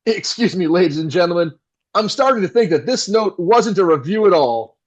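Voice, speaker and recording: A man's voice: high-pitched, lively intonation, brisk, muffled recording. A man playing a flustered, melodramatic 1960s New York radio host with theatrical announcer delivery in an audio drama. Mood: flustered, wounded.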